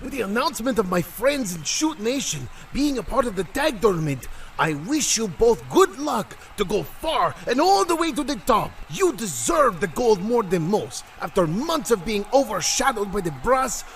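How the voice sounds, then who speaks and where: A man's voice: high voice, sing-song, moderate pace, fairly bright tone, far from the mic, soft background music, exaggerated voice. A man playing an earnest wrestler delivering a scripted, declarative promo message. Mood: earnest, encouraging. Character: earnest male wrestler sending a recorded message.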